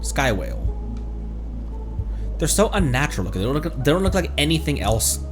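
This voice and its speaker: A man doing casual live game stream commentary, excitable, exclaiming and thinking out loud as he plays. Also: a little high, a little fast, over music. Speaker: streamer, VTuber.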